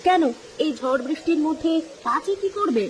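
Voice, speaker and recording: Man putting on a high-pitched anxious village wife. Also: lively intonation, moderate pace, fairly bright tone, a little hiss or hum. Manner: high, pleading, urgent. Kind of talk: cartoon voice acting.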